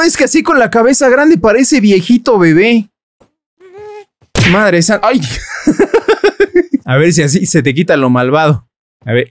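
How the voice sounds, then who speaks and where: Playful man with lively pitch. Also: dry recording, studio quality. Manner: playful, jokey, swings into squeaky exclamations. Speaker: gaming youtuber. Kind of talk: let's play commentary.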